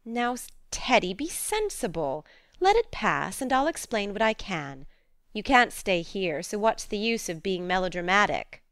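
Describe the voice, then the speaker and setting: A woman's voice: medium pitch, sing-song, measured pace, a bit bright, no room sound. A woman voicing a spirited, sensible teenage girl in a storybook, coaxing and frank. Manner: soothing, frank. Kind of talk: storybook character dialogue.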